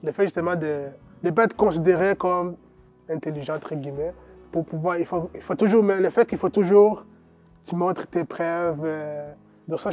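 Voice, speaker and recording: A man's voice: on the high side, highs cut off. A young man from Rwanda giving a thoughtful, hesitant documentary testimony at his secondary school. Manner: hesitant, thoughtful, many fillers. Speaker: interviewee.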